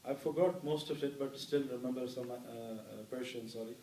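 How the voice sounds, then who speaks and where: A middle-aged man from Pakistan, an interview guest and former cricketer, telling stories warmly with many fillers. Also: medium pitch, steady tone, brisk, a little hiss or hum. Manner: warm anecdotal telling with many "you know" fillers. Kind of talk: storytelling in an interview. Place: hall with an audience. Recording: roomy hall, voice picked up from a distance.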